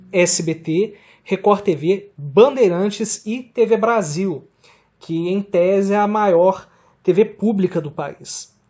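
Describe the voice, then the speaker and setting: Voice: medium pitch, a little mellow. A researcher with a Brazilian accent giving a formal, explanatory academic presentation in a didactic way.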